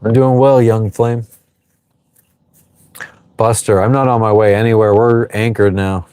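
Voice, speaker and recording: A man's voice: lowish voice, little pitch movement, a little slow, warm tone, smooth, no room sound. A man in his thirties hosting a casual livestream from an anchored sailboat, answering viewer comments offhandedly and swearing freely. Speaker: livestream host. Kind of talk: casual live chat reading viewer comments.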